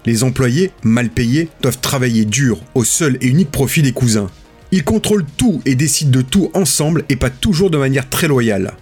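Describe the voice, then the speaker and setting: A husky male voice narrating a documentary in a measured, storytelling tone, pitched in the middle range. Soft music runs quietly underneath him throughout. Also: animated.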